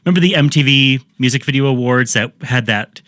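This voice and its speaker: A man's voice: mid-range voice, a little fast, a bit bright, no echo, clean studio sound. A man hosting a podcast, telling a story in casual chat with jokey asides. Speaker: podcast host.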